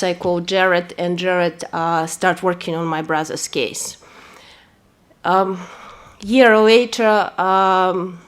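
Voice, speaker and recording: Slow, hesitant woman. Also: fairly low pitch. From Kazakhstan. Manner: hesitant, many fillers; earnest, personal testimony. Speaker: lawyer introducing the speaker. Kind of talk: formal introduction at a press event.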